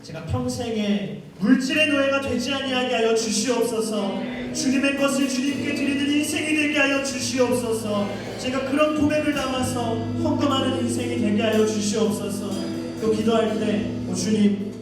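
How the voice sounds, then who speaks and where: A pastor preaching, then leading a fervent prayer that rises to loud pleading. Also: male voice, extremely high pitch, very fast. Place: church worship hall. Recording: echoey hall from far off with music.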